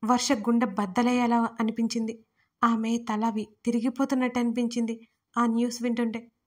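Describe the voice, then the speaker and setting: A woman narrates a serialized audio story with a steady, measured reading. Her voice sits fairly high and stays level, with little rise and fall.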